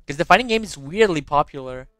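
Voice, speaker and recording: A man chatting casually on a live stream, talking fast and stumbling over words, English not his first language. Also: a little high, lively intonation, fairly bright tone, dry recording, soft background music. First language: non-native English speaker. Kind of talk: casual chat.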